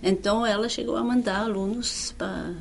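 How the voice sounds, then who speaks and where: An older woman who is not a native speaker, recalling her years as a music teacher in an oral history interview, speaking haltingly with frequent restarts. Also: mid-range voice, steady tone, vocal fry, background noise. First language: not Portuguese.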